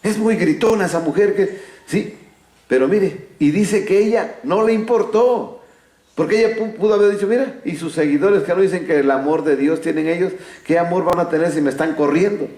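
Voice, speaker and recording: A man's voice: a little high, moderate pace, mellow. A man preaching a sermon, emphatic and full of rhetorical questions to the congregation. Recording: echoey church room.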